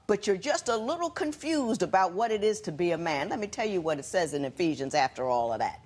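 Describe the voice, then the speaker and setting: Husky, expressive woman judge lecturing. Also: fairly low pitch, fairly quick. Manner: firm, instructive, emphatic. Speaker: television court judge. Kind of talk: courtroom questioning and lecturing.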